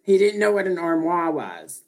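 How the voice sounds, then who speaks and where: A woman with a Southern US accent, hosting a casual chat show and telling a lively story. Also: lowish voice, moderate pace. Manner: animated storyteller acting out quoted dialogue. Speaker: podcast host.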